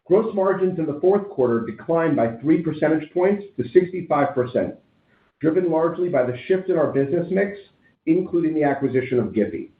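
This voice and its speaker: A man in the role of a finance chief formally reads out scripted financial results on a conference call in a businesslike way. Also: a little high. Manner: formal, businesslike reading of figures. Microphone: conference call phone line. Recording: tinny, echoey conference phone line.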